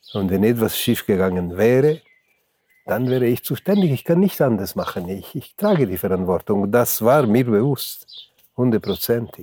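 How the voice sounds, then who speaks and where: Speaking with lively intonation, a man keeps to a medium pitch. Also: moderate pace. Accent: Italian. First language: Italian (speaking German). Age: 70s. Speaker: retired tunnel engineer. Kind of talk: interview testimony. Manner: halting.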